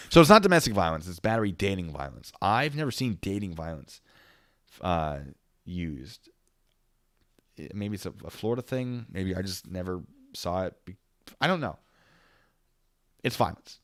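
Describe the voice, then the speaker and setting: A man's voice: low voice, lively intonation, a little slow, long pauses, no room sound, studio quality. A man giving casual, off-the-cuff commentary on a livestream, often amused and speaking to his chat. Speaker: livestream commentator reacting to court footage; former interrogator and investigator.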